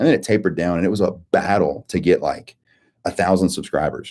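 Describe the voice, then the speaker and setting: Very fast speech in a Louisiana accent over a very clean recording with a silent background. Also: man. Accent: US South (Louisiana). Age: 30s. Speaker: YouTuber and car dealership worker. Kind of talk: live-stream Q&A. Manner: hesitant, many fillers.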